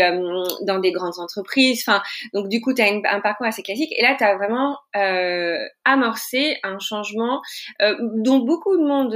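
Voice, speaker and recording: A woman's voice: mid-range voice, fairly bright tone. A woman hosting a podcast, chatty and friendly, asking long rambling questions and laughing often. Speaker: podcast host. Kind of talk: podcast interview.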